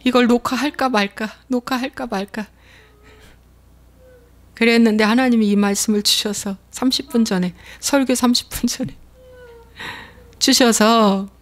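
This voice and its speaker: A woman pastor preaching a sermon with emphasis, repeating key phrases and acting out the voices of complaining believers. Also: on the high side.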